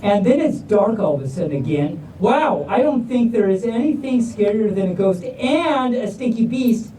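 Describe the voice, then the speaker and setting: Mellow woman storyteller in an echoey room. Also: animated, moderate pace. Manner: silly, rambling, self-deprecating. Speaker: storyteller reading picture books to an audience. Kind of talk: playful live read-aloud with asides. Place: large room at a live convention event. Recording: roomy, distant mic with faint rumble.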